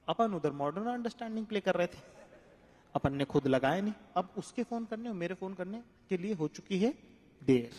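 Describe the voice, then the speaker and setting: A man doing stand-up comedy in Hindi, telling a story with acted-out quotes and moving from hushed asides to shouting. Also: high voice. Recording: echoey hall with audience noise.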